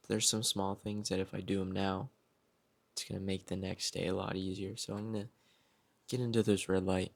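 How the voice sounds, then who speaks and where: Low flat gravelly young man vlogging. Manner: reflective, self-motivating, unhurried. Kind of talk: casual vlog talking to camera. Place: at home, indoors.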